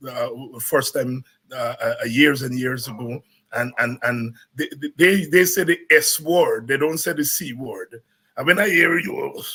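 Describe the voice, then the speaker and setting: A man's voice: sits high, pushed and bright, slightly rough. A Guyanese man hosting a live show, chatting casually, greeting viewers by name and repeating his words as he rambles. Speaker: host.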